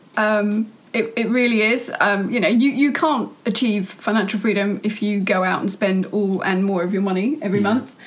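A woman speaks at a moderate pace with medium pitch, ordinary pitch variation and very even loudness. She takes hardly any pauses, and noticeable background noise is present. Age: 40s. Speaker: property investor. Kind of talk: interview.

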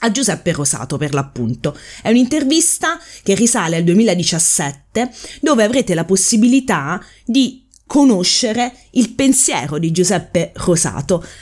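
A woman's somewhat breathy voice at a medium pitch with very wide pitch swings and a fairly slow pace. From Lanciano, Abruzzo, Italy. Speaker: radio host. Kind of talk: radio presenting.

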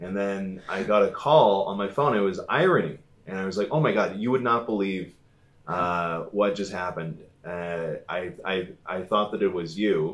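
A man speaks at a moderate pace in a plain, everyday voice. His pitch is fairly low and varies in an ordinary way. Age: 30s. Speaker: comedian. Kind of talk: casual chat.

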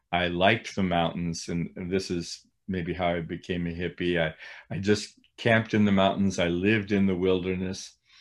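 This man has a very deep, low pitch and an American accent. He speaks at a moderate pace with monotone, flat intonation. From US. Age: 70s. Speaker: healing ministry director. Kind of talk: interview. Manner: halting.

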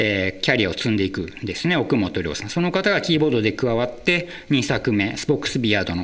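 A man talks very fast with hardly any pauses. His medium pitch swings very widely. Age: 50s. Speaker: podcast host, music expert. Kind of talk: casual chat.

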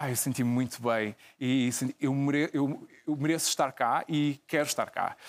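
A man speaks at a fairly high pitch with fairly even intonation, in an ordinary speaking voice. The recording is very clean, with a silent background. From Brazil. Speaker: documentary filmmaker. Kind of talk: interview.

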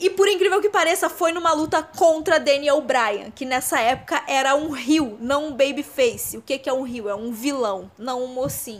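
Over music in the background, a woman with a high pitch speaks in an animated tone with lively intonation and hardly any pauses. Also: moderate pace. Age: 20s. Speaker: podcast host. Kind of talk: casual chat. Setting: home.

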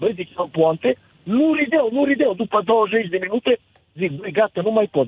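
Moderately paced and high-pitched, a man talks with lively intonation. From Italy. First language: Italian (speaking Romanian). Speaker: stand-up comedian. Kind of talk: anecdote on call-in. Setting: phone call.

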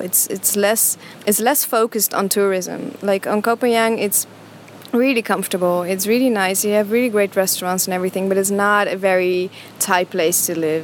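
Amid noticeable background noise, a woman with a Dutch accent speaks at a medium pitch with fairly even intonation. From Netherlands. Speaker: translator. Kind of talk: casual chat.

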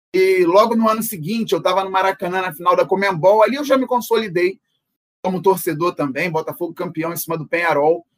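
A man talks in a high voice, his pitch varying an ordinary amount. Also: fairly quick pace. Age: 30s. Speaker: sports journalist. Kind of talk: casual chat.

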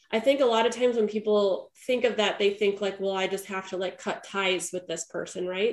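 A woman with an unremarkable speaking voice. She talks at a fairly quick pace. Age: 30s. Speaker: podcast host and health coach. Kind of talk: casual interview chat.

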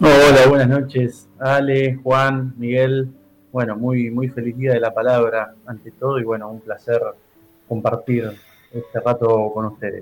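A man's medium-pitched voice, monotone and flat, at a fairly slow pace over music in the background. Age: 20s. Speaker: poet. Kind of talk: interview.

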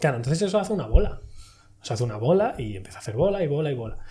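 A somewhat breathy man at a very fast pace, with very wide pitch swings. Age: 20s. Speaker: cook. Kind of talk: casual chat.

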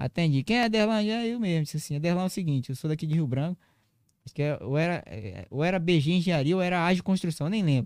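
Lively intonation and big swings in loudness mark this fairly quick delivery, recorded very cleanly with a silent background and a dry, close sound with no echo. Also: man. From Brazil, interior of Acre (Marechal Thaumaturgo). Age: 30s. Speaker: public servant and podcaster. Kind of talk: casual interview, life story.

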